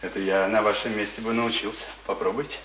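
A man playing an awkward, middle-aged gentleman caller in a radio play, stiffly polite and halting. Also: on the low side, little pitch movement, close to an everyday voice. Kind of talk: Russian radio play acting. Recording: echoey, distant, noisy radio recording.

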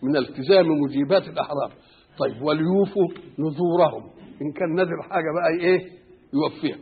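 A man's voice: fairly high pitch, fast, breathy edge. A man with an Egyptian Arabic accent teaching Quran exegesis, posing rhetorical questions and answering them himself. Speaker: religious scholar. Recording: tinny phone-like lo-fi recording.

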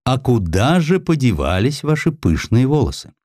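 A man voicing a pompous, excitable aristocratic censorship chief in an audiobook, speaking in a grand, condescending and effusive manner. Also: mid-range voice, moderate pace, no echo, studio quality, voice pushed up. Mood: teasing. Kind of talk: audiobook character acting.

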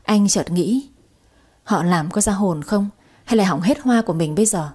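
A woman narrating a first-person story in a lively, conversational way. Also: mid-range voice, moderate pace, breathy edge.

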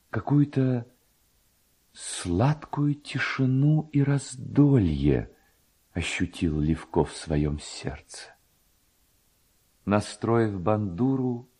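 A man narrates a literary tale in a deep, dark voice. His delivery is very unhurried and lyrical, with a hushed, dramatic sense of storytelling.

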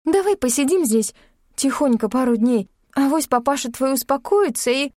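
A woman voicing a distraught, tearful young woman who wails and sobs between excited outbursts. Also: high-pitched, moderate pace, no echo, studio quality, pitched above the performer's own voice. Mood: agitated. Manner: wailing, sobbing outbursts.

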